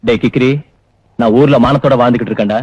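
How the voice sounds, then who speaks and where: An actor playing a young village landlord's son who is gruff and bullying, in a dry, dull film recording. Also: male voice, mid-range voice, steady tone, fast talker, darkish tone, dry recording, close to an everyday voice. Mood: impatient. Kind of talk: 1990s film dialogue.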